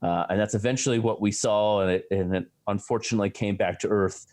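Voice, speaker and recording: A man's voice: on the low side, fairly even intonation, fast talker, a little mellow. An American man co-hosting a science show, explaining in a chatty way with many restarts and fillers. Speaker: astrophysicist co-host. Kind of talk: casual science chat.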